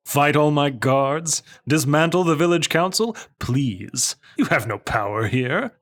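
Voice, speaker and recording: A man's voice: on the high side, expressive, a bit bright. Man playing a smug, sneering guard captain. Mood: gloating. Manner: condescending, mock-polite, drawn-out. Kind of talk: audio drama villain acting.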